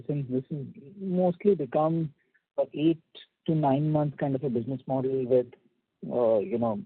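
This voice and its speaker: Indian man, analyst caller, husky, halting delivery, mid pitch, narrowband phone sound. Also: no echo. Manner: halting, pausing often. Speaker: analyst caller asking questions. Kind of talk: earnings call questioning. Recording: dry, tinny narrowband phone line.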